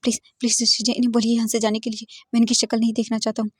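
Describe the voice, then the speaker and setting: Woman putting on a panicky young guy, teary, begging, highish voice, dry sound. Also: completely flat delivery, racing, slightly rough, no room sound. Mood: frantic pleading. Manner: pleading, tearful, insistent. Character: young man, pregnant, hurt and frantic.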